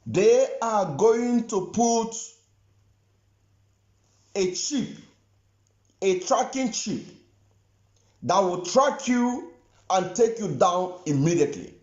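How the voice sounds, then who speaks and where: High-pitched man in an echoey room. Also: animated, slow, long pauses, darkish tone, muffled recording. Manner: insistent, repeats himself. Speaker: activist livestreamer. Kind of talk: livestream commentary.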